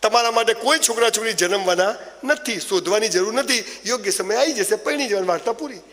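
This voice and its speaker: A man giving a comic motivational speech, telling stories with animated, mocking asides. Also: high-pitched, fairly quick, big-room sound. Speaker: motivational speaker.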